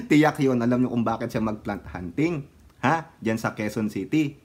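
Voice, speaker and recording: An animated man with a mid-range voice and a Filipino accent vlogs about politics at a moderate pace. His tone is casual and sarcastic, and he keeps laughing and slipping into little bits of song.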